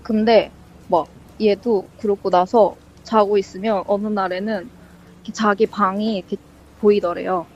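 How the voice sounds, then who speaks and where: A woman tells a ghost story in loose, rambling chat, packing it with fillers and acting out the lines she quotes. Her voice sits at a middle pitch, and the recording is dull and lo-fi. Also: fairly even intonation, normal speed, darkish tone. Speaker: guest storyteller. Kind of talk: casual spoken ghost story. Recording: dull lo-fi sound.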